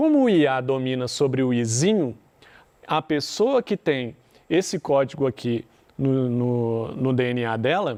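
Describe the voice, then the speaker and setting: A man with a fairly high voice speaks at a fairly slow pace with lively intonation. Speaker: science teacher. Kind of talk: lecture.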